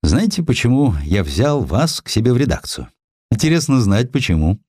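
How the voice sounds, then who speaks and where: A man voicing a wry, fatherly elderly editor and retired general in an audio drama, speaking in an avuncular, deliberate way. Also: medium pitch, big pitch swings, darkish tone, slightly rough, dry recording, studio quality, pitched above the performer's own voice. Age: older.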